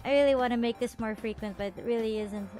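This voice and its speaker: A woman's voice: fairly high pitch, fast talker, warm tone. A woman streamer chatting casually with her viewers, bubbly and rambling, often restarting her sentences and laughing. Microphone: earphones with a desktop mic. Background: faint background music.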